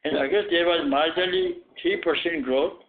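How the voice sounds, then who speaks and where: Over a narrow phone connection, a male company executive speaks with an Indian accent. His voice sits a little high, and he answers analysts in a firm, matter-of-fact way. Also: normal speed. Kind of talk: answering analysts on an earnings call. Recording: narrow tinny phone line.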